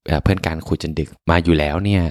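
A soft-spoken man hosting a podcast, telling personal stories as unhurried, reflective bedtime pillow talk. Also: deep voice, steady tone, dry recording, clean studio sound. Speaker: podcast host.

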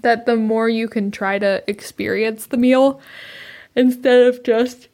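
Storytelling young mom, mid-pitched. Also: female voice, fairly even intonation, unhurried, a little mellow. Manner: conversational, storytelling, frequent fillers. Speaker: podcast co-host. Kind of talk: casual chat.

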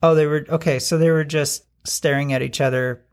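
A man's voice: on the high side, fairly even intonation, fairly quick, smooth. A wisecracking man co-hosting a podcast in casual chat, with wry remarks. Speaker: podcast co-host.

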